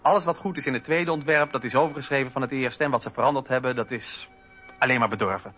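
An actor playing a principled French Enlightenment philosopher, reciting political writings in an earnest, rhetorical manner with a husky voice. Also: male voice, medium pitch, fast talker, soft background music, close to an everyday voice. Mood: indignant. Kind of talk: dramatised reading of political writings. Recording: dull, muffled radio recording.

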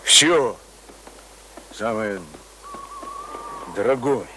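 An actor playing a rough but kindly middle-aged village man in a radio play, muttering and sighing in speech. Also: medium pitch, drawn-out words. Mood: bitter, rueful. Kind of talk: Russian radio play acting. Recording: noisy radio drama recording.

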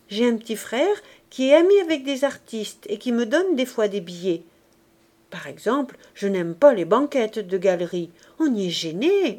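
Woman doing a bold cynical poor girl, loud and eager, a bit high voiced. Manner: loud, eager, boastful chatter.

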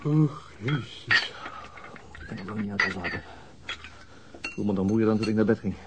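A man's voice: on the low side, normal speed, background noise, close to an everyday voice. An actor playing a weary, stubborn policeman grumbling sullenly and contrarily at home in a radio drama.

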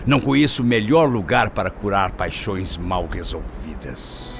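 A man's voice: low voice, big pitch swings, a little slow, gravelly, loud music behind the voice, full character voice. An actor with a Brazilian accent playing a scheming father who feigns devotion in earnest, declamatory radio drama style. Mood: feigned devotion. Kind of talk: radio soap opera acting.

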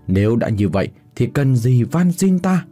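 A vengeful female ghost spits out bitter, contemptuous scolding, as a man narrating a horror story puts her on. The voice is dark and husky and swings widely in pitch, with faint music behind it. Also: very animated, normal speed. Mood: furious.

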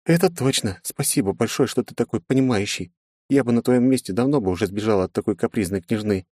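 A man's voice: medium pitch, mellow, dry recording, clean studio sound, voice pushed up, natural voice. A man reading an audiobook voices a jealous, capricious young princess who pleads and flares up. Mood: soft apologetic. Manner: pleading, clingy, quick to anger.

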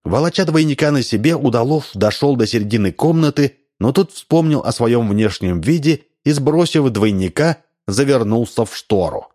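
Expressive male audiobook narrator. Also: medium pitch, moderate pace. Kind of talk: audiobook reading.

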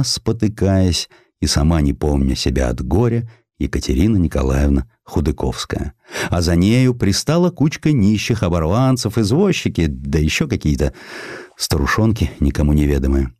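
A man narrating a literary audiobook in a measured, expressive, dramatic storytelling manner. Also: low voice, no room sound, clean studio sound.

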